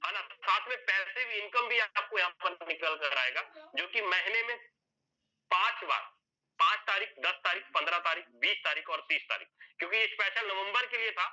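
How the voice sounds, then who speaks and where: A presenter explains an earning plan on a whiteboard, taking listeners through it step by step, repeating points, asking and answering his own questions, and calling them sir and brother. His high-sitting voice has lively intonation, a moderate pace and a sharp tone, captured on a dull lo-fi recording.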